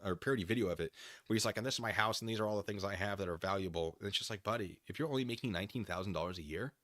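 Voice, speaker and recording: Bright-voiced, lower-pitched man streaming casually. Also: no room sound, studio quality. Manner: wry, rambling, acts out imagined exchanges. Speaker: livestream host reading and answering chat. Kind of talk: casual chat with livestream viewers.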